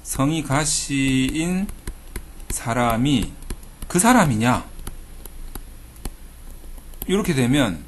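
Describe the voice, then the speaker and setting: A man's voice: medium pitch, sing-song, very slow, pauses often. A man from Busan, giving a casual video lecture on thesis statistics and talking in a chatty way with fillers and playful jokes. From Busan, South Korea. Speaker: research institute director teaching thesis statistics. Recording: faint background noise.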